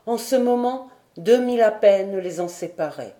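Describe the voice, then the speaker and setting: A woman's voice: mid-range voice, expressive, normal speed, mellow. A woman narrating a classic adventure novel as an audiobook, reading expressively and dramatically. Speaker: audiobook reader.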